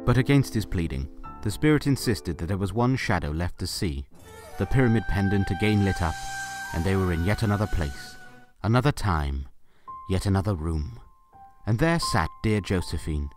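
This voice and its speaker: A man's voice: deep voice, animated, moderate pace, music in the background. A man narrating a scripted story for an audio drama.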